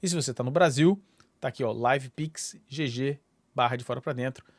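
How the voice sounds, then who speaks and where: A middle-aged man from Brazil talks loosely to his viewers, hopping between restarts and fillers. His voice sits at an ordinary middle pitch. The recording is dry and close, with no room sound. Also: fairly quick, dry recording. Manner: rambling, many fillers and restarts. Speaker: YouTube channel host. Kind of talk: casual solo talk to camera.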